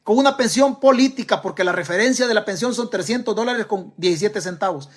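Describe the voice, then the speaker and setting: Firing rhetorical questions at his audience, a Salvadoran-accented man gives emphatic political commentary on camera. He talks a little fast in a high-pitched voice.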